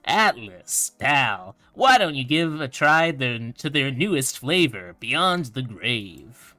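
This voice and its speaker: Slow, showy, sinister game show host. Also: male voice, mid-range voice, very animated, bright, forceful tone, no echo, full character voice. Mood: smug, showy. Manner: showy, drawn-out presenter delivery. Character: sinister undead male game show host, green-skinned, gleefully menacing. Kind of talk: theatrical game show hosting.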